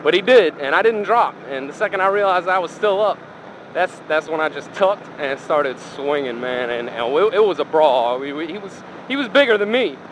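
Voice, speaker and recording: A man's voice: a little high, lively intonation, normal speed. A man telling a casual, rambling, profane story in colloquial speech, talking inside a helmet while riding a motorcycle. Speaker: motorcycle vlogger. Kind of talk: casual first-person storytelling. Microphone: helmet microphone. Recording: engine and road noise, helmet mic. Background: motorcycle and traffic noise.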